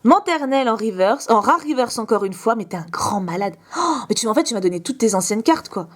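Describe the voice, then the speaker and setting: A young woman vlogger opening fan mail in casual chat, gushing with quick exclamations and asides. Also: fairly high pitch, expressive.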